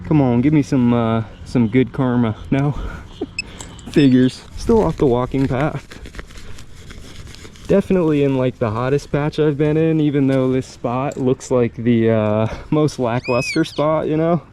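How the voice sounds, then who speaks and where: This man speaks at medium pitch with a measured pace, hosting an outdoor metal detecting vlog in a park. He keeps things laid-back and slangy, thinking out loud as he hunts. The recording has clear background noise from the park.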